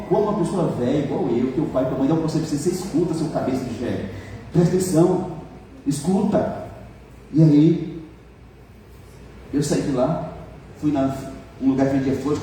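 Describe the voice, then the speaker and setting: Brazilian pastor preaching in an echoey hall. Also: male voice, a little high, a little fast, pauses often, mellow, a little hiss or hum. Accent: Brazilian Portuguese. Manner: colloquial, joking, rising to emphatic preaching. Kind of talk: sermon with personal testimony. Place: church hall. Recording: echoey church hall from far off.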